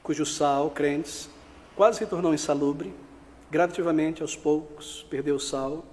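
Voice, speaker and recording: A male pastor with a Brazilian Portuguese accent, preaching a sermon emphatically, rising to loud outbursts and then dropping to quiet appeals. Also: fairly high pitch, steady tone, a little slow, long reverb tail.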